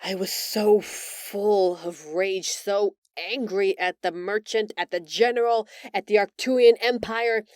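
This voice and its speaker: A female voice actor plays a gentle alien woman in an intimate roleplay monologue, speaking slowly, earnestly, and hesitantly, lightly acted with emotion, sighs, and pauses. Her mid-range voice sounds remorseful and empathetic, with a bitter, intense mood. The recording is very dry and close.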